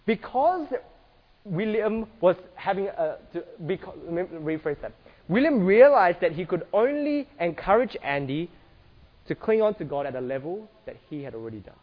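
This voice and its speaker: A man from Singapore giving an earnest church talk about slides, restarting often and filling pauses with "uh". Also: sits high, very animated, dull audio. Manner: earnest, many restarts and fillers. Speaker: church speaker.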